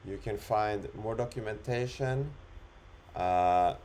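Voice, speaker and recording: A man talking through an unscripted screen-recorded software demo, explaining it step by step in an instructional way. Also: on the low side, slow pace, a little hiss or hum. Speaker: software demonstrator.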